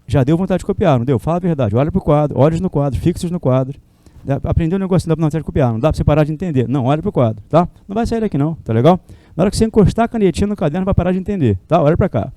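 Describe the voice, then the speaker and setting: Dark-voiced chatty male teacher. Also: fairly high pitch, animated, rapid-fire, dry recording. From Brazil. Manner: chatty, keeps asking students tag questions. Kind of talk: classroom lecture. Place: classroom with a whiteboard.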